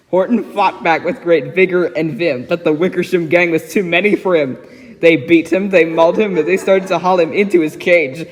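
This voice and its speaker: A man with a high, slightly bright voice gives a dramatic read-aloud of a rhyming children's picture book, giggling frequently. The room sound is echoey and reverberant.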